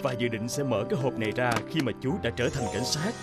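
A man's voice: mid-range voice, quick pace, natural voice. A man playing a young, kindly but scolding policeman in a dubbed children's cartoon, sincere, with music behind. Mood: nostalgic. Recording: loud background music.

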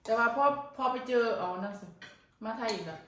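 A woman's voice: medium pitch, animated, fairly quick, fairly bright tone, slight background noise. A woman from northeastern Thailand with an Isan accent, chatting casually and coaxing her child while cooking and eating at home. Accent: Isan Thai. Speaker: vlogger and mother. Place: home kitchen. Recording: echoey room, distant mic, dish clatter.

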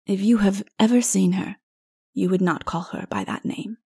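A woman voicing a grave, stern king in a storybook, speaking in a measured, firm and solemn way. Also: medium pitch, creaky, a little mellow, husky. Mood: grave, gentle. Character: grave, stern male king on a perilous journey.

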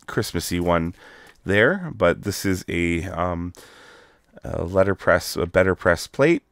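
Low-voiced man, still croaky from illness. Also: dry recording. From Canada. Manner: relaxed, chatty, many ums. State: recovering from illness, voice still rough. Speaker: craft video host. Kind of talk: casual crafting tutorial.

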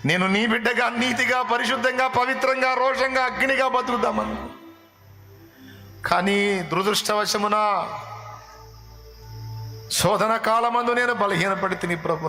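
A male preacher voicing a grief-stricken repentant king who begs God for forgiveness in high, wailing cries. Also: expressive, moderate pace, vocal fry, music in the background. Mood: remorseful prayer.

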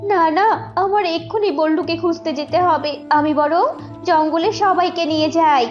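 A woman's voice: very high voice, fairly even intonation, moderate pace. A woman voicing an anxious, caring fox wife in a cartoon, with a worried, pleading manner. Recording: dull lo-fi audio with loud music.

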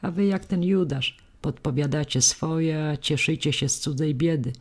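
A woman's voice: low-pitched, normal speed, darkish tone. A woman voicing a proud young village woman who answers curtly and bitterly. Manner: curt, bitter.

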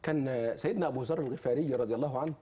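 Appearing as a charity guest on a TV talk show, a man with an Egyptian Arabic accent preaches with fervor, quoting scripture and repeatedly swearing oaths. His mid-range voice is warm and races along with impassioned energy.

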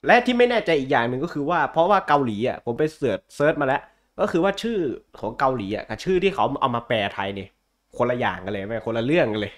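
Blunt, slangy man chatting casually. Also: on the high side. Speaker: podcast host. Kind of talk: casual chat about comic books.

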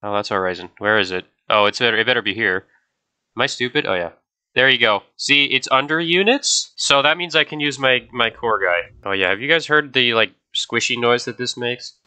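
His voice sits in the mid-range, pushed and bright yet clear and resonant, moving at a fairly quick pace. The young gaming host sounds nasal and stuffy from a cold as he talks casually to viewers mid-game, his attention wandering easily.

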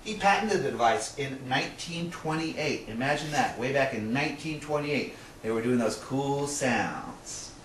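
A man's voice: mid-range voice, animated, unhurried, few pauses, a bit bright. Roomy-sounding man, playful presenter. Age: middle-aged. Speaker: science presenter. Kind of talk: presentation to camera, demonstrating. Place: small indoor room with projector screen. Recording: roomy, distant camera mic, noisy.

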